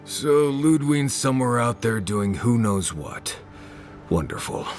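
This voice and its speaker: An actor playing a suspicious, blunt wilderness guide in a video game, with dry, sardonic grumbling. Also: male voice, medium pitch, expressive, unhurried, faint music behind, close to an everyday voice. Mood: wary, dry. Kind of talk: naturalistic video game dialogue.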